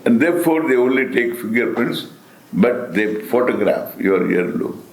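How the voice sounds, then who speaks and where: An older man with an Indian accent gives a spiritual discourse as a Hindu teacher, deliberate and emphatic, repeating phrases and posing rhetorical questions. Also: medium pitch, expressive. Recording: roomy, echoing sound.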